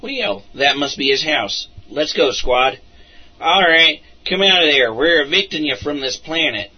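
A man's voice: on the high side, animated, unhurried. A man voicing an impatient, folksy trooper sergeant who barks orders at his squad. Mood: gruff. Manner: folksy, bossy, exasperated. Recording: muffled lo-fi recording.

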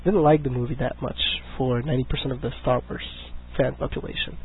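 A man with a husky voice, sick this week, hosting a casual fan talk show and chatting in a joking, rambling way. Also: medium pitch, fast, slight background noise. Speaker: podcast host. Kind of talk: casual chat. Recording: lo-fi phone-like internet stream.

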